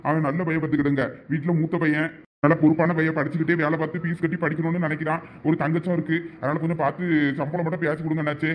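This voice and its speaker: A man's voice: fairly high pitch, flat delivery, rapid-fire, slight background noise. A man with a Thoothukudi Tamil accent pleading persuasively with a shopkeeper.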